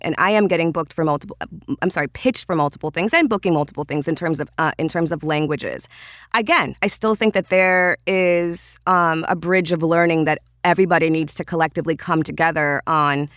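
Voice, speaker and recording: A woman with a Trinidadian accent, chatting as a voiceover guest in an animated way, often restarting her sentences. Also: lowish voice, no echo, clean studio sound. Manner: animated, quick, with frequent restarts and fillers. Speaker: voiceover artist and podcast guest. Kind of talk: casual interview talk.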